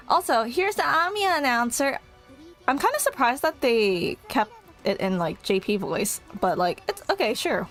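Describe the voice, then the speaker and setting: A woman streamer chatting casually and excitedly as she reacts, rambling with plenty of fillers and giggles. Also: medium pitch.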